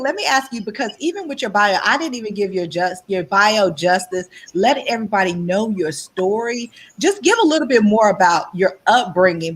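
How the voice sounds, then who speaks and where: A woman's voice: medium pitch, breathy edge. A woman hosting a podcast interview, chatting with enthusiasm and laughing easily. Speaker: podcast host. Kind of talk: casual interview chat.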